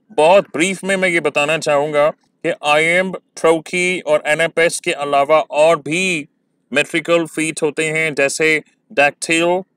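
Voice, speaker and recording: A man teaching exam-prep poetry lessons, talking slowly and stretching words to show syllable stress. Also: on the high side, a bit bright, clear, resonant tone, no room sound, studio quality.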